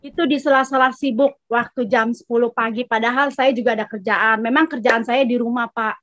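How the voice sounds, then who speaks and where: High-voiced chatty woman telling a testimony. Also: steady tone, fairly quick, a bit bright, dry recording. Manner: chatty, acts out both sides of a dialogue. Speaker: congregation member giving a testimony. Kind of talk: casual storytelling testimony. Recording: dry, slightly dull sound.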